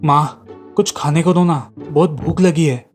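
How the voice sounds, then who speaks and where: A man voicing a lazy, carefree young village lad in a cartoon, talking in a lively, cheeky way. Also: a little high, measured pace, soft background music, close to an everyday voice.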